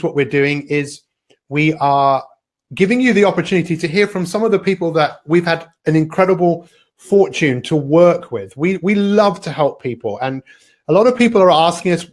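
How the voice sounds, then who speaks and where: Upbeat male coach host with a fairly high voice, chatty, motivational, live-stream feel. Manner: upbeat, chatty, with frequent ums and uhs. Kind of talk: live online broadcast, motivational talk.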